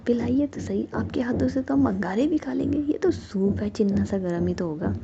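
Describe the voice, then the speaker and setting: A woman's voice: a little high, expressive, brisk, vocal fry. A woman voicing a teasing, playful young woman. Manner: affectionate, teasing. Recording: dull lo-fi recording with faint noise.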